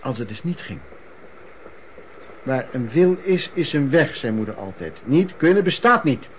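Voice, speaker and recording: Telling of a difficult yet hopeful youth spent as a street trader, this actor uses a colloquial, clipped storytelling manner typical of a first-person radio play, and the mood is simple reminiscence. His medium-pitched voice swings widely in pitch at an unhurried pace. The rough recording carries some hiss or hum.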